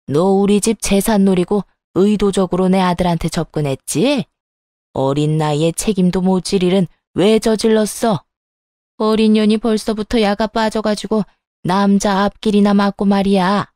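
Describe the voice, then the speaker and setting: A sharp-tongued middle-aged mother-in-law, as a woman narrator reads her, hurls accusations with open contempt. The voice is mellow and soft-edged, and the recording is close and completely dry. The line reads like a storybook audio drama. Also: mid-range voice, fairly even intonation, moderate pace, no echo, close to an everyday voice. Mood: contemptuous.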